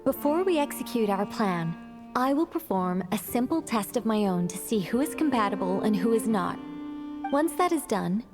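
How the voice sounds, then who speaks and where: An actress playing a self-assured, verbose woman scholar in an anime game, speaking in a formal, measured and articulate way. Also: on the high side, lively intonation, natural voice. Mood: matter-of-fact. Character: poised, self-assured female scholar, verbose and dryly polite. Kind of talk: anime game voice acting, expository. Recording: game music playing behind.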